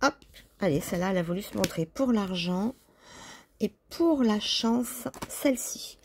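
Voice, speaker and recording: A woman's voice: mid-range voice, expressive, a little slow, a little mellow, a little hiss or hum. A woman chatting casually as she lays out a tarot reading, talking to herself while she handles the cards. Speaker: tarot reader.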